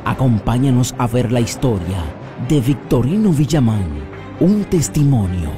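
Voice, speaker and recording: A man's voice: mid-range voice, very animated, a little slow. A man narrating a documentary trailer in a solemn, dramatic voice-over. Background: music.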